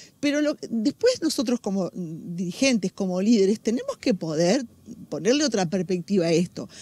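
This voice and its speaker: Heard as a dry, close sound with no echo, the woman's somewhat breathy voice has a dark, mellow tone and very wide pitch swings. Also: medium pitch for a woman, moderate pace, very clean recording, silent background. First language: German (speaking Spanish). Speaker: community association leader. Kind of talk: news interview. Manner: halting, many restarts.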